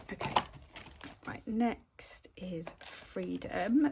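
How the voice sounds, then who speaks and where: A woman is speaking, and noticeable background noise can be heard. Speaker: budgeting vlogger. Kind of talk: casual chat.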